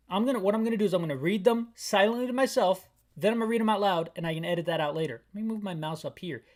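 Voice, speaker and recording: A man in his thirties giving rambling, hyper gameplay commentary as he describes a video game aloud for listeners. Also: high-pitched. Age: 30s. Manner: rambling, hyper, self-deprecating. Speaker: gaming YouTuber.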